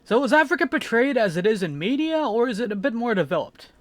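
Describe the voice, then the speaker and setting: A man's voice: very high-pitched, very animated, quick pace, dry recording, clean studio sound. A man interviewing a guest, asking brief and direct questions in a friendly, casual way.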